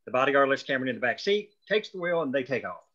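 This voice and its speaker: A man's voice: mid-range voice, very animated, rapid-fire, fairly bright tone. A man reading screenplay stage directions as scripted narration at a table read, on dull lo-fi audio.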